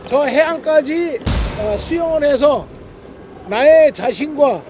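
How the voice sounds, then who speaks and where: A man's voice: very high voice, takes it slowly. A man instructing trainees outdoors at sea in a formal, commanding way, calling out drill orders. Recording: noisy outdoor recording with crowd voices.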